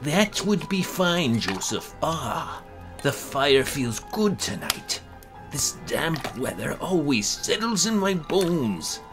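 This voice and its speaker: A man playing an elderly, skeptical bachelor who speaks formally and with measured emphasis in a horror story. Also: a little high, big pitch swings, music in the background, voice pushed up, full character voice. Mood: polite, contented.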